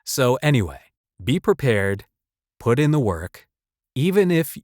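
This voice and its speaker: Casting: male voice actor sharing advice, mid-pitched, conversational and emphatic, with a rambling delivery in a dry space. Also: big pitch swings, unhurried, a little mellow, no echo. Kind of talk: casual advice talk to camera or mic.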